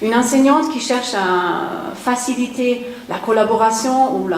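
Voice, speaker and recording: A woman with a non-native accent speaks with ordinary pitch variation, with audible room echo and noticeable background noise. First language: not French (speaking French). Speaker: education researcher. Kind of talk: conference talk. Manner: halting, many hesitations.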